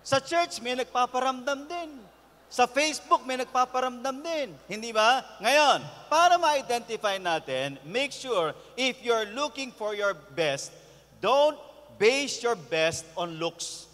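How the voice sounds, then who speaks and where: A man with a Filipino accent preaching a lively sermon as a pastor, talking straight to the crowd. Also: very high-pitched, a little slow. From Philippines. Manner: animated, talks straight to the crowd. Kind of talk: sermon at a youth conference. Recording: long hall reverb from a live event.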